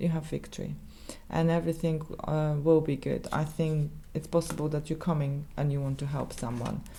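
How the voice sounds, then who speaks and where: A woman speaks at a moderate pace in a very deep, low voice. Her tone is dark and mellow, with monotone, flat intonation. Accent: Polish. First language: Polish. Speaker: tarot reader. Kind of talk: tarot reading. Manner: hesitant, many fillers.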